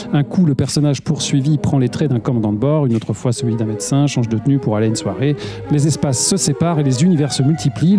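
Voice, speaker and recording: A man hosting a radio segment on cinema, talking in a conversational way with fillers. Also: fairly high pitch. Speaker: radio host. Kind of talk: radio film chronicle.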